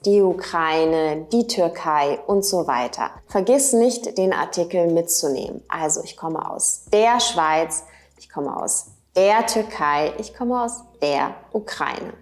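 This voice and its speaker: Female language teacher, unhurried, clear delivery, repeats example phrases for learners. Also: lowish voice. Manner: careful, repeats example sentences slowly. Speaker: German teacher. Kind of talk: slow, clearly spoken language lesson.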